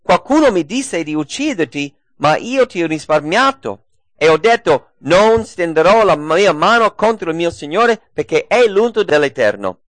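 A man's voice: high-pitched, big pitch swings, a little slow, fairly bright tone, no echo, full character voice. A man voicing the young David, pleading with his king in an earnest, urgent, raised voice.

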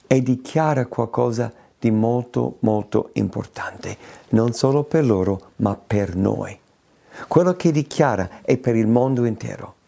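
A man's voice: mid-range voice, gravelly, warm tone. A man preaching a sermon in an emphatic way, repeating words for stress.

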